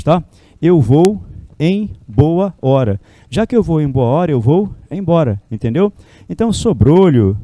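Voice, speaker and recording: A man's voice: a little high, warm tone, dry recording. A Brazilian man teaching a classroom lecture in a chatty way, forever tossing tag questions at his students. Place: classroom with a whiteboard.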